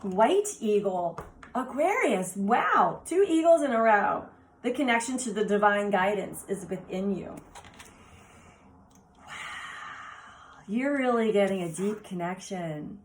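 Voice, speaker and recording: A woman whose voice is raspy from laryngitis, doing an oracle card reading for viewers and exclaiming eagerly over the cards in a soft, meandering way. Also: medium pitch, lively intonation, slow, long pauses, a little hiss or hum. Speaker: card reader.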